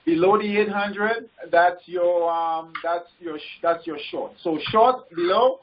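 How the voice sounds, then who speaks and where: High-voiced man coaching, halting and repetitive. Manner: halting, repeats words, checks in often with "okay" and "right". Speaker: trading coach leading a group conference call. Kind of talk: informal instruction on a group call. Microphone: conference call line. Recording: muffled, noisy conference call audio with clicks.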